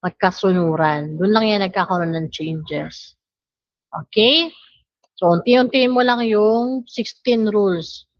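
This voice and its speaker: A woman teaching pronunciation in an online language lesson, drawing out syllables slowly for her students to repeat. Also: mid-range voice, no echo. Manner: slow, drawn-out syllable drills. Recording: dull lo-fi sound.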